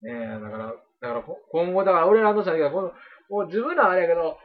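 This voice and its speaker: A man's voice: fairly high pitch, animated, fast talker, phone-quality sound. A man with a Kansai accent hosting a casual chat show, talking in a rambling, emphatic way and repeating himself. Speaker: radio talk show host.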